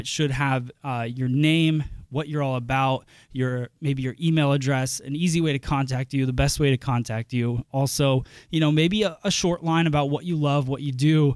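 An unremarkable speaking voice from a man, fairly high in pitch, at a moderate pace with fairly even intonation, in a very clean recording with a silent background and a dry, close sound with no echo. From Iowa. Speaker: hairdresser and salon owner, podcast host. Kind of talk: casual solo talk, live tips show. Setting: live stream, audio only. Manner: casual, lots of filler words.

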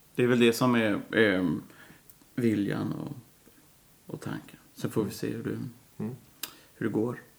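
Talking at a fairly slow pace with long, frequent pauses, a man shows big swings in loudness. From Sweden, Uddevalla (west coast). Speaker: rock guitarist. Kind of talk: casual interview.

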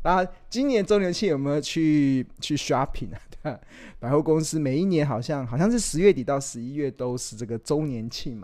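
A man's voice, a plain, everyday voice, runs at a moderate pace with lively intonation and a fairly high pitch, recorded very cleanly against a silent background. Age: 40s. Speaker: investment educator. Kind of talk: livestream lecture. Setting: livestream.

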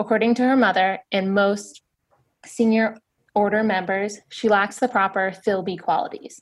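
A woman speaks in a normal speaking voice at a moderate pace, her intonation fairly even. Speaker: aspiring novelist. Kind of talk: reading aloud. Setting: video call.

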